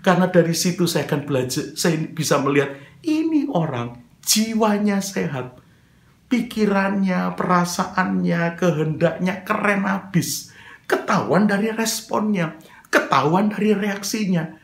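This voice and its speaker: A male preacher tells a story in a sermon, slipping into the voices of the people in it and turning to his listeners as brothers. His voice sits a little high. The church around him rings with echo. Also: lively intonation, measured pace, creaky. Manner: addresses listeners as brothers, acts out quoted dialogue.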